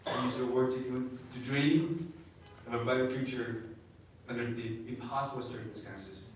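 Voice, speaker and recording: A man closes a tribute speech slowly and deliberately, restarting a phrase now and then. His voice reaches the mic from a distance. A heavy echo fills the hall, with a faint hum of noise behind him. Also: mid-range voice. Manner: slow, deliberate, with a few restarts. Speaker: speaker at a commemoration. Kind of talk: closing remarks of a tribute speech. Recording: echoey hall, voice from far off.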